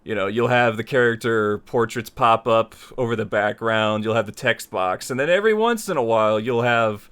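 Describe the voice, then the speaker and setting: A man's voice: lowish voice, moderate pace, hardly any pauses, fairly bright tone, clear, resonant tone. A man hosting a tutorial in casual, conversational talk to viewers, often rephrasing his points. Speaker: host of a tutorial series on making visual novels.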